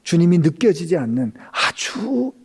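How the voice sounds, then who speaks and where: A male pastor preaching a sermon, swinging between raised emphatic passages and hushed, whispered lines, acting out quoted speech in intimate tones. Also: fairly high pitch, very animated, measured pace, slightly rough.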